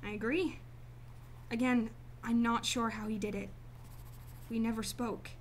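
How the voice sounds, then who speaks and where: A woman playing a guarded, emotionally detached client in a radio drama, speaking formally and deliberately. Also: on the high side, fairly even intonation, a little hiss or hum, close to an everyday voice. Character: cool, detached female client, guarded murder victim's sister.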